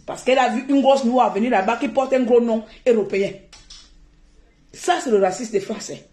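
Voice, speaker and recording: A woman from Gabon, talking on a live stream in an animated, indignant way and laughing often. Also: on the high side, moderate pace, echoey room.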